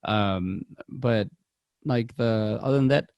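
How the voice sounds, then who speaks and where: A man's voice: lowish voice, slow, a little mellow, clean tone, no echo, lo-fi sound. A man co-hosting a movie podcast, chatting casually with lots of restarts and laughter. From Mexican heritage. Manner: rambling, laughing, stumbling restarts. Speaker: podcast co-host. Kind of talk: casual chat about movies.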